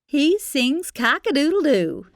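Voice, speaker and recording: Animated, slow-spoken woman storyteller. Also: high voice. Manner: gentle, expressive, with startled exclamations. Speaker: storyteller host. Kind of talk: children's story narration. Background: music.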